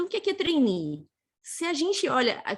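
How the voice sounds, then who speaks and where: A woman with a Pernambuco accent, at a fairly quick pace. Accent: Pernambuco (northeastern Brazilian). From Brazil, Pernambuco. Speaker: career content creator, former recruiter. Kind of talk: online career talk. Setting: live stream. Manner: fast; casual, engaging with chat.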